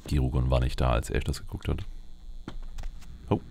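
A man's voice: rumbling low, little pitch movement, moderate pace, creaky, background noise. A man giving casual in-character game commentary, muttering to himself in short fragments. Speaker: let's player. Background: video game ambience.

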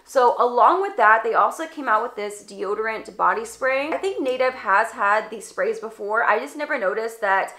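A woman's voice: fairly high pitch, lively intonation, moderate pace, few pauses, bright, forceful tone. A woman in her twenties, stuffed up and slightly congested, chatting casually through a product haul with lots of "like" fillers, filmed close in a small room. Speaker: beauty vlogger. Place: small indoor room with shelves.

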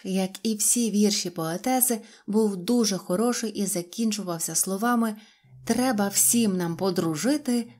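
A woman reading a children's fairy tale aloud with gentle, expressive storytelling. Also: medium pitch. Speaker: audiobook reader. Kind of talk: fairy-tale audiobook narration.

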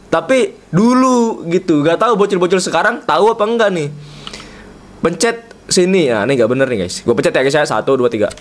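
Streaming a game, a man from Indonesia keeps up a playful, chatty running commentary and keeps calling out to his viewers. His voice is on the high side, animated and brisk.

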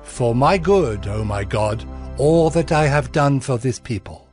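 A man playing a righteous governor narrating his deeds in a dramatized scripture reading, measured and earnest. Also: medium pitch, animated, natural voice. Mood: earnest, resolute. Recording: music bed behind the voice.

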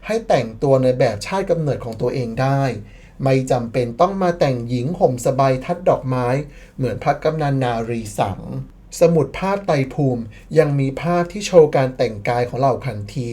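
As the channel admin, a woman narrates a scripted history commentary with a playful, sarcastic tone and bursts of mock disbelief. Her voice is extremely low, warm, and animated, at normal speed.

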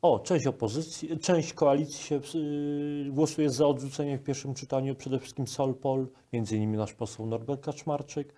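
A man's voice: medium pitch, fairly even intonation, normal speed, hardly any pauses, warm tone. A man in his forties interviewing a guest as a program host, on a lapel microphone in a studio. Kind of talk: broadcast interview.

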